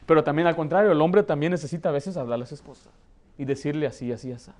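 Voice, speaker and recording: A man in his thirties who grew up in the United States, preaching a lively sermon from a pulpit with a Mexican Spanish accent. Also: a little high, very fast. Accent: Mexican Spanish, learned in the United States. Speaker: pastor. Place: church hall, plain indoor room.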